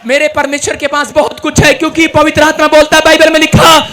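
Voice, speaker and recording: A man with a Punjabi accent preaching a charismatic church sermon like a booming rally speech, shouting repeated exhortations for the congregation to echo. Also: monotone, fast, a crowd in the background. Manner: shouting, repetitive call-and-response exhortation. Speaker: pastor.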